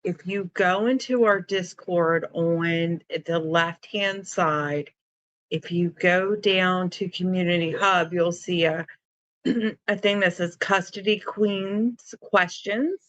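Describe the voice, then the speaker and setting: A woman co-hosting a casual livestream, making announcements in a halting way and repeating words as she goes. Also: lowish voice, a bit bright, no echo. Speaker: livestream co-host.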